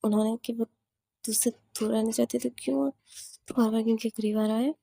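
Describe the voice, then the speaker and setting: A woman's voice: fairly high pitch, fairly even intonation, fairly quick, creaky, mellow, no room sound, studio quality. A woman voicing a hot-tempered young female college student who bluntly confronts a boy. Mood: angry.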